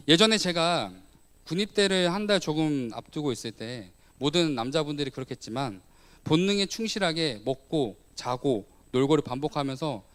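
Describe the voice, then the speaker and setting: A man's voice: fairly high pitch, a bit bright. A young man, a pastor, preaching a sermon and telling a personal story, acting out the lines he quotes.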